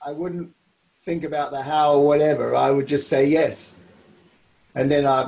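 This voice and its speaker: A man speaks with a southern English accent at a fairly quick pace. His pitch is fairly high and his intonation monotone and flat. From southern England (London, Brighton). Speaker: speaker and coach. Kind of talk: interview conversation.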